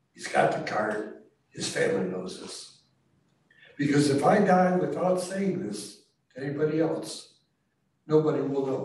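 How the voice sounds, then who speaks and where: In a room with audible echo, a man with a fairly high pitch speaks at a fairly slow pace, his voice making very wide pitch swings and big swings in loudness, broken by long, frequent pauses. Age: 80s+. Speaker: club member asking a question. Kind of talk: Q&A at club meeting. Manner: halting.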